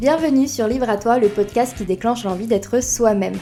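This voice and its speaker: Over music in the background, a woman speaks at a moderate pace with lively intonation and a fairly high pitch. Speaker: organisation coach, podcast host. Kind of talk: podcast intro.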